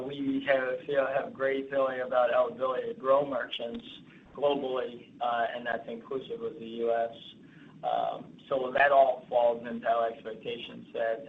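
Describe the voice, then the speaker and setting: A man speaking as a company executive on an earnings call, giving halting business commentary with repeated and restarted phrases. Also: mid-range voice, slight background noise. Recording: thin phone-line sound.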